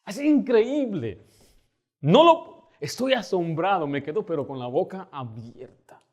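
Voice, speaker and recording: A man preaching a Baptist sermon as pastor, animated and conversational, acting out the people he quotes. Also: sits high, a little slow.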